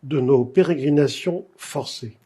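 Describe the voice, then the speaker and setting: Husky, mellow-voiced French-speaking male host. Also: medium pitch. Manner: measured, digressive questioning with many fillers. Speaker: literary talk show host. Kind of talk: cultured interview conversation.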